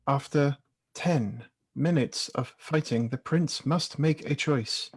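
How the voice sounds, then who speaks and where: A man's voice: mid-range voice, slow, slightly rough. A man reading scripted scene-setting narration as the narrator of a staged reading.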